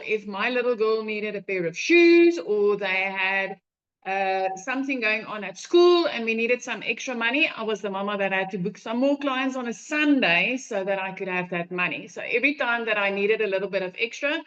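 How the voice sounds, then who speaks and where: A South African woman tells her story with warm storytelling. Her pitch sits in the middle. The sound is dull and lo-fi. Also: expressive, normal speed. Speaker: webinar guest.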